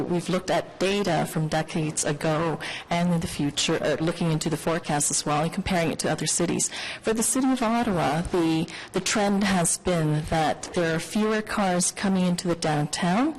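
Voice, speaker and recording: Lower-pitched woman, halting delivery. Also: steady tone, low-quality recording. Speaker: city staff expert. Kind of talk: answering questions at a committee meeting.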